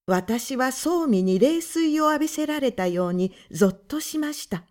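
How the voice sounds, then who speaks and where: A woman narrating a literary story aloud in a calm, measured, hushed first-person voice. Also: high voice. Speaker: audiobook narrator.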